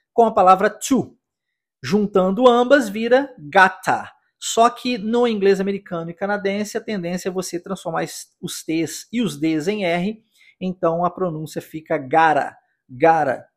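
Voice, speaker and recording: A Brazilian man teaching an English lesson, upbeat, slowly drilling phrases for his listeners to repeat. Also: sits high. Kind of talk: English lesson for Portuguese speakers.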